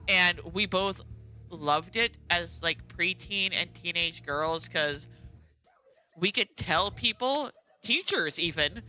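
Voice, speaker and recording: Casting: a bright-voiced, rambling, middle-aged American mom chatting while she plays, music faint underneath. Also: low-pitched. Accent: General American. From United States. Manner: chatty, rambling, lots of fillers and asides. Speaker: gaming streamer. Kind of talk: casual chat while playing a game.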